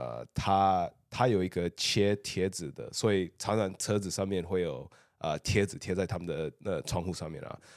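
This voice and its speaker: A man's very deep, low voice at a fairly slow pace, with ordinary pitch variation and hardly any pauses. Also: very clean recording, silent background. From United States. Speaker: entrepreneur. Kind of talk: casual chat.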